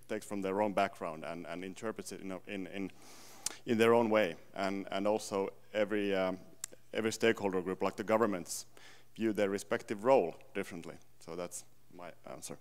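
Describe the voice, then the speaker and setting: Man, very low voice, stumbles and repeats, panel talk, handheld mic. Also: smooth. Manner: repeats words, restarts often. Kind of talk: panel discussion. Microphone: handheld microphone.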